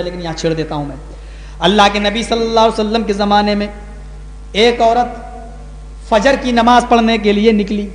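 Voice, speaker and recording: High-pitched impassioned male preacher in a hall. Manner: impassioned, climbs high on key words. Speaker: Islamic preacher. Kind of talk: Urdu sermon with dramatic storytelling. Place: large hall, live gathering. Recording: echoey hall with long reverb.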